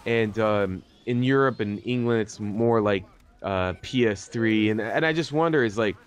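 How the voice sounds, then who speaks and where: A man's voice: fairly low pitch, moderate pace, clear, resonant tone. Chatty, slangy man hosting a gaming video. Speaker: host of a gaming video series. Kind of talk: casual interview over game commentary.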